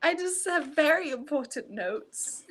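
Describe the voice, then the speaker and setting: Very high, lively young woman chatting. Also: a little slow, a crowd in the background. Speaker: book discussion co-host. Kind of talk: casual chat about a book.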